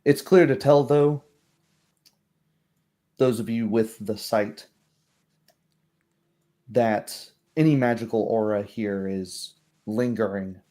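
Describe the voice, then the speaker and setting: A man narrating a tabletop roleplay game as game master in a measured, descriptive way. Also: fairly low pitch, mellow.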